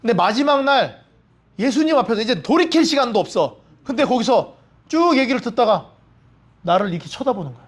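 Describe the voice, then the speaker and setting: A man's voice: extremely high pitch, very animated, a little fast. A male pastor preaching a sermon in a church, blunt and plain-spoken, mixing jokes into stern points. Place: church sanctuary.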